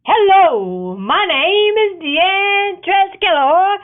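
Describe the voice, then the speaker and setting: A woman's voice: very high-pitched, lively intonation, drawn-out words. A woman reading her own fantasy writing aloud and presenting it as its author and narrator. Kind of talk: expressive audiobook-style reading and presenting. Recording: narrow phone-like sound.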